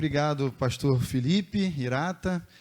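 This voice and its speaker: A man with a Carioca accent speaks at a fairly high pitch. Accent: Carioca (Rio) Portuguese. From Rio de Janeiro, Brazil. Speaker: pastor. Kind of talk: sermon.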